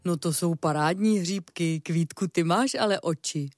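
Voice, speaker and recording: A calm, patient bear from a children's storybook, slow and a little hesitant, his voice sitting low, as a woman puts him on. He takes his time over every thought. The sound is dry and close. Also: dry recording, close to an everyday voice. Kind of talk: storybook reading.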